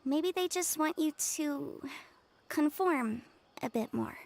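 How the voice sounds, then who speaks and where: A woman voicing a caring, brisk, protective young sister in an anime-style video game. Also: high voice, expressive, vocal fry, darkish tone, a little hiss or hum, exaggerated voice. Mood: concerned.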